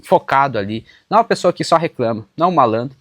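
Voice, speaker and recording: A man's voice: medium pitch, expressive, racing, a bit bright, no echo. A man with a southern Brazilian accent from Santa Catarina, talking casually and emphatically to his viewers as he answers comments, recorded outdoors. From western Santa Catarina, southern Brazil. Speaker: YouTuber on public service exam preparation. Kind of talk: casual direct-to-camera commentary, responding to comments. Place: outdoors on a small farm.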